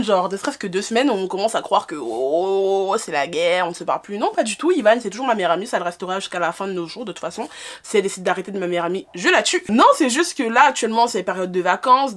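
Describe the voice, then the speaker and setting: A young woman in her twenties, raised in France, answering viewer questions in a casual vlog, frank and exasperated, with rhetorical questions. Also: medium pitch. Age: 20s.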